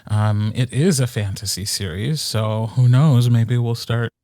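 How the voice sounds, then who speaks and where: An easygoing middle-aged man co-hosting a podcast at a middle pitch. He talks in a wry, relaxed way, with plenty of ums. The recording is close and dry. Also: a little slow, no echo. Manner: easygoing, wry, lots of fillers. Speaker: podcast co-host, audiobook narrator. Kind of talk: casual chat.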